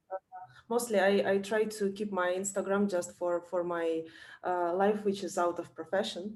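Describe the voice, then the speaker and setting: In a Russian accent, a woman talks at a moderate pace with a medium pitch and monotone, flat intonation. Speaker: journalist. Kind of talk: casual chat. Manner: halting.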